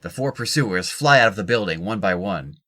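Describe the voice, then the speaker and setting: Low-voiced male narrator. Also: expressive, fairly quick, sharp tone. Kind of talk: scripted audio drama narration.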